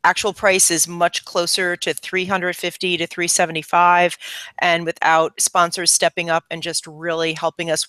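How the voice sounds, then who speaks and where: Woman from New York, co-host, bright forward tone, dry close sound, chatty and friendly. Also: fairly low pitch, no room sound. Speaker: co-host, marketing lead. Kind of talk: casual panel chat.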